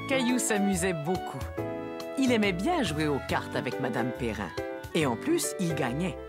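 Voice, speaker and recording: A woman storyteller reads scripted narration for a children's story. Her voice is fairly low with very varied intonation, over loud music. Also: animated, moderate pace.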